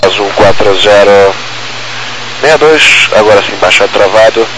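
A man with a Brazilian accent talks over an aviation radio as an airline pilot. His voice sits very low and comes through a hiss of radio static. He sounds brisk and matter-of-fact, using clipped flight phraseology. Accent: Brazilian Portuguese. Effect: heard over an aviation radio. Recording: noisy cockpit radio transmission.

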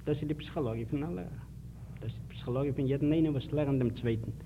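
A man's voice: medium pitch, fast talker. A man giving a public lecture, telling anecdotes and putting emphatic rhetorical questions to his listeners. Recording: tinny archival 1950s lecture tape with faint hiss.

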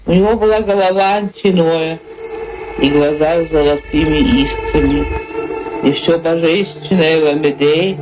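An actress as a low-voiced, solemn woman poet reminiscing. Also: normal speed, close to an everyday voice, poor audio. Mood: wistful. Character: female poet solemnly remembering a lost friend. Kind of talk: literary memoir monologue in a radio drama. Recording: music behind the voice.

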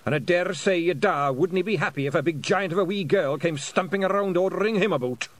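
A man voicing a gruff ninety-six-year-old Scottish piper with a thick Scottish accent, scolding bluntly in an audiobook. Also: high voice, fairly quick, dry recording, voice pushed up, close to an everyday voice. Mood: stern. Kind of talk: audiobook character voice.

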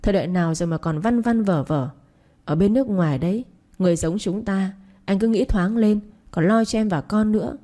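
A woman's voice: mid-range voice, a little fast, warm tone, lightly acted. Woman voicing a scheming mocking stepmother. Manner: mocking, wheedling.

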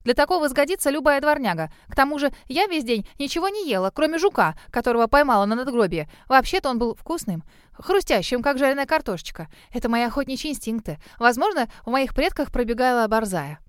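Woman doing a high fussy lady dog, storybook, huffy and indignant, vain. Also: big pitch swings, clear, resonant tone, no echo, studio quality. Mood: complaining. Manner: huffy, indignant, quick to protest.

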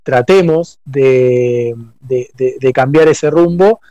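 A man's voice: medium pitch, slow, warm tone, no room sound, muffled recording. A man in a cultural discussion, speaking thoughtfully with frequent hesitations. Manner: thoughtful, hesitant, uses voseo.

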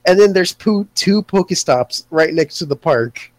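Excitable, foul-mouthed young man. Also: sits high, unhurried, no echo. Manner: swears freely, excitable rambling. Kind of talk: casual chat.

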